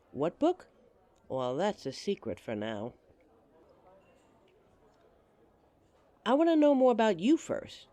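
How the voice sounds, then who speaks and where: A woman's voice: mid-range voice, darkish tone, no echo, natural voice. A woman playing a giggly, teasing date. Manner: teasing and giggly, laughs often. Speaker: voice actress in an audio roleplay. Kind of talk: audio roleplay addressing the listener as a date.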